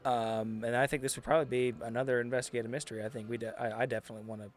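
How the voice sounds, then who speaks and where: A man playing a tabletop game, chatting casually in a hesitant, halting way. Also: medium pitch, little pitch movement, a little hiss or hum.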